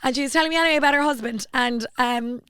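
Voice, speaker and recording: A woman co-hosting a podcast, chatty and animated, telling stories on a close studio mic. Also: high voice, racing, clear, resonant tone, no echo. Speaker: podcast co-host. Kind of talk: casual bilingual chat.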